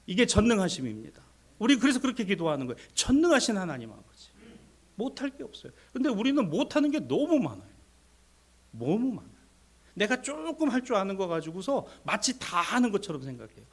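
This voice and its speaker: A male pastor preaching a sermon, addressing the congregation directly, swinging between raised exhortation and hushed, whispered asides. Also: high voice, big pitch swings, fairly quick. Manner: addresses congregation directly, acts out voices of people and God.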